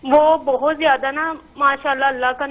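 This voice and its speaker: A woman's voice: high voice, steady tone, fairly bright tone, low-quality recording. A woman calling a religious show who asks her question in a hesitant, rambling way full of fillers. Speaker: caller. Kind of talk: phone-in question.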